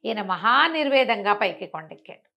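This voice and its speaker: A woman telling devotional stories conversationally, in an expressive, emphatic way that repeats phrases for effect. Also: medium pitch, moderate pace, vocal fry, dull audio. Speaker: storyteller and talk show guest.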